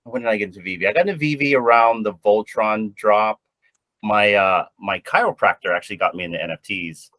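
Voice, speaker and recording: A man's voice: fairly low pitch, brisk, a bit bright, no room sound. A man from Hawaii chatting casually on a panel, a little nervous, stammering and rambling. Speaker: guest panelist. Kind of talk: casual chat.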